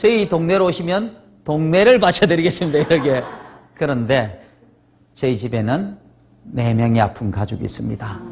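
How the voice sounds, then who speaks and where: A man's fairly high voice at a moderate pace, with very wide pitch swings, long and frequent pauses, noticeable background noise and audible room echo. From South Korea, South Gyeongsang rural village. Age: 40s. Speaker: motivational speaker. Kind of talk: motivational lecture. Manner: animated, interactive with audience.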